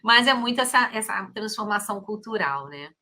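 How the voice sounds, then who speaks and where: Brazilian lady podcast host, bright sharp voice, gushes and exclaims a lot, chatty. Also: mid-range voice, expressive, normal speed. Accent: Brazilian Portuguese. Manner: effusive, exclaims often. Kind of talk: casual interview chat.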